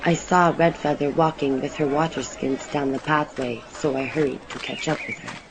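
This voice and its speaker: Man narrating as a higher-pitched young maiden storyteller, noisy track. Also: fairly even intonation, moderate pace, lightly acted. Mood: earnest, secretive. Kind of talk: first-person audio drama narration.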